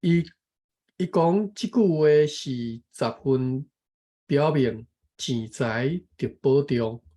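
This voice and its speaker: Slow, husky reader spelling out sounds. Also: mid-range voice, warm tone. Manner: careful, corrects pronunciation, spells out syllables. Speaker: co-host and reading teacher. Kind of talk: reading a text aloud and explaining it.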